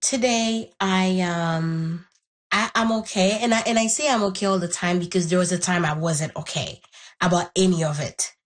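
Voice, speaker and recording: A young woman from Haiti, whose first language is Haitian Creole, talks through her own story at a fairly low pitch. She is earnest and unhurried and pauses to search for her words. She sounds like a guest being interviewed. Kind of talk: reflective personal story.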